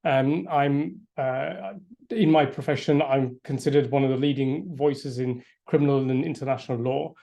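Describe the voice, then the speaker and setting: A middle-aged lawyer from Yorkshire, England speaks earnestly and emphatically at a community briefing in a warm, creaky, mid-range voice at normal speed. He often repeats words as he restarts his sentences.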